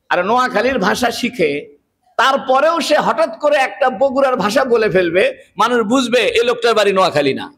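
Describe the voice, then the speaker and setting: A man with a notably high voice delivers a sermon. He explains his points earnestly, step by step, and pauses for rhetorical questions to the congregation. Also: a bit bright. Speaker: Islamic preacher.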